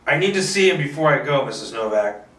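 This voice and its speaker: Courteous cop-like man played by a male reader, firm and probing, bright voice, distant mic, table read. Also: mid-range voice, animated, fast talker, natural voice. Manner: polite but firm, probing. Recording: roomy, distant microphone.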